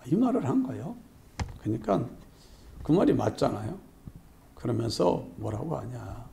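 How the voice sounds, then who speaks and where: A male pastor preaching with a gravelly, mellow voice that swings widely in pitch. He tells the story dramatically, slipping into the characters' lines as he goes. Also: very animated, moderate pace, slight background noise. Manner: storytelling, acting out dialogue. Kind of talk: sermon.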